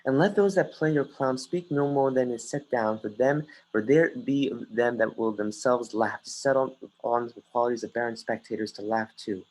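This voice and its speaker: An actor playing an earnest, brooding young prince in a Shakespeare stage reading, with a husky voice and halting delivery. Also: male voice, mid-range voice, darkish tone, close to an everyday voice, rough recording. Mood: brisk commanding. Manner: halting, restarts phrases mid-line. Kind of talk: dramatic reading of Shakespeare, often stumbling. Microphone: home computer mic on a livestream.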